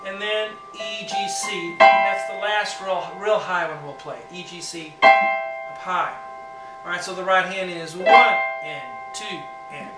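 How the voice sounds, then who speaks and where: A man with a high voice teaching a piano part step by step, patiently counting the beats and humming the notes. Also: takes it slowly, far from the mic. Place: room with a piano. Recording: roomy, from off the mic, loud piano.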